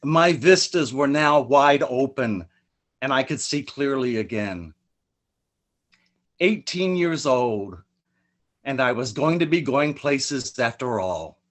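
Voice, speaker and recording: A man's voice: slow, pauses often. A man performing his own prose poem in a virtual reading over a video call, with a dramatic delivery that swings up and down. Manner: expressive dramatic reading, pitch rises and falls. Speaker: poet reading his work.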